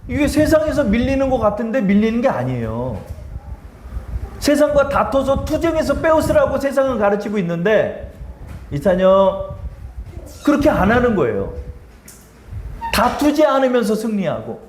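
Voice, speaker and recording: A man's voice: very high voice, big pitch swings, moderate pace, pauses often, echoey room, slight background noise. A man preaching a sermon as pastor. He asks and answers his own questions and acts out quoted speech in a casual tone. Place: church sanctuary.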